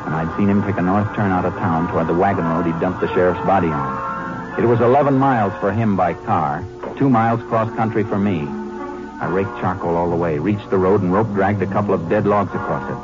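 A low-voiced, commanding Texas Ranger, acted out by a man in 1950s radio drama style. He is steely and resolute. The recording is dull and dated, with music. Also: a little fast, natural voice. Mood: tense, narrating. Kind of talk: 1950s radio drama acting and first-person narration.

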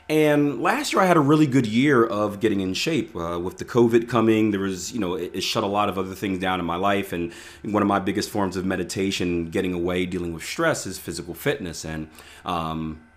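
A man with a raspy, hoarse voice hosting his own unscripted podcast, talking casually with fillers and restarts. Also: on the low side. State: hoarse from yelling. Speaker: podcast host, trading coach. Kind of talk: unscripted solo podcast talk.

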